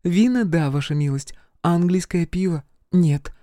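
A man's voice: high voice, normal speed, dark tone, no room sound, clean studio sound, voice pushed up, lightly acted. A male reader voicing a shy, polite young common-born girl, humble and respectful.

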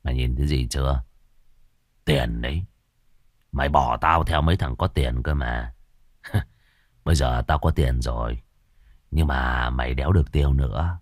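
A man's voice: a bass voice, moderate pace, long pauses, dry recording, clean studio sound, pitched below the performer's own voice. A man voicing a cruel, menacing middle-aged butcher who sneers and growls.

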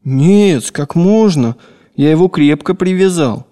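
A timid, tearful servant boy, voiced by a male audiobook reader, pitched well above a grown man's voice and slowing to small, hesitant replies. He speaks meekly and deferentially, now and then stammering, in a lively, wavering voice. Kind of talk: audiobook character reading.

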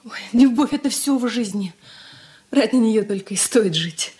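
An actress playing a romantic young girl talking in hushed, secretive tones in a radio drama. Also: on the high side, lively intonation, moderate pace, lightly acted. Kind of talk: 1980s radio drama acting.

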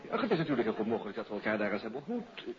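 Over a muffled old radio recording with busy chatter, a genial male hotelier who once trod the stage. His voice is animated, courteous and a little hesitant, with theatrical nostalgia in true 1950s radio drama style. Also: lowish voice, rapid-fire. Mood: wistful, courteous.

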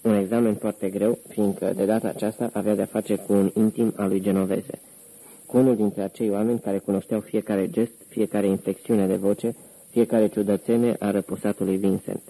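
A man narrating an audiobook in steady, even scripted storytelling. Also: lowish voice, breathy edge, low-quality recording.

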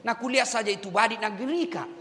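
Male preacher with a Makassarese Indonesian accent, bright voice, echoing hall. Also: high voice, quick pace. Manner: animated, acts out dialogue, shifts voice sharply. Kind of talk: sermon to prison inmates.

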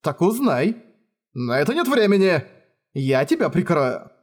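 Deadpan stern swordswoman, read by a man, blunt and cold, a bit higher voice. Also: a little slow.

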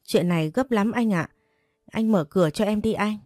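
A woman's voice: mid-range voice, moderate pace, a little mellow, no room sound, clean studio sound, soft background music, close to an everyday voice. A woman voicing a spoiled, whiny young woman guest who pleads and sneers, in a storybook. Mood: pleading.

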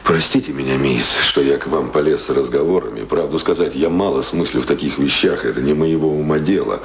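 An actor playing a rough, earnest, uneducated young sailor in a radio drama, speaking plainly and colloquially. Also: male voice, a bass voice, fairly quick. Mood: humble, determined. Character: rough, eager, uneducated twenty-year-old sailor, strong and earnest. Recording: studio radio play.

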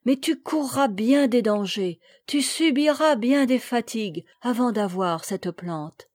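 Woman playing a gentle kindly fairy, soft calm voice, storybook, higher pitch, dry sound. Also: takes it slowly, dry recording.

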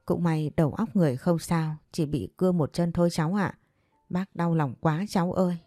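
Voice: medium pitch, fairly even intonation, moderate pace, mellow, no room sound, studio quality, faint music behind, close to an everyday voice. A woman voicing a grieving middle-aged mother who speaks tearfully about her injured son.

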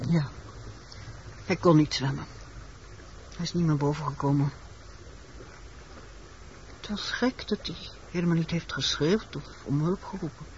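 An actress playing a weary, secretive woman in a radio drama, telling her story in a measured, matter-of-fact way. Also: deep voice, darkish tone. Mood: weary, detached. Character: weary, secretive woman confessing a wartime killing. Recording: muffled, noisy old radio recording.

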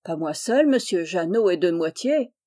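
A woman's voice: on the low side, expressive, moderate pace, mellow. A woman reading aloud and voicing a polite, earnest, kind peasant boy.

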